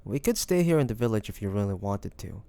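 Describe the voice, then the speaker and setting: A man playing a devoted young lover in an intimate romantic fantasy audio roleplay, speaking softly and haltingly with great affection. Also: fairly low pitch, big pitch swings, smooth. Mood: gentle, concerned. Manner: soft, hesitant, affectionate, halting phrases.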